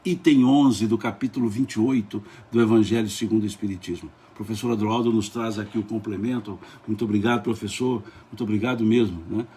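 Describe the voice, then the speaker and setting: A man with a Brazilian Portuguese accent leading a Spiritist study lesson, hoarse since vocal cord surgery, moving between quiet asides and raised, enthusiastic reading of the text. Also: fairly low pitch, fairly even intonation, a little fast, few pauses.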